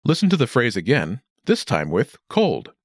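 Male instructional narrator, mid pitch, animated intonation, careful enunciation, dry close recording. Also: normal speed, breathy edge, no room sound. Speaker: language lesson narrator.

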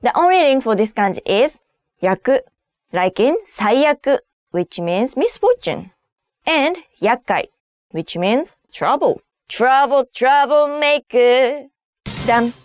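High-pitched, very lively woman teacher. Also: takes it slowly, no room sound. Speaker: host of a kanji lesson series. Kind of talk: scripted language lesson narration.

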